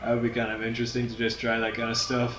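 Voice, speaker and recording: A man's voice: medium pitch, monotone, quick pace. A man hosting a gaming channel, rambling and laughing as he comments while playing. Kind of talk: casual let's-play commentary. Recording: roomy, with game music behind.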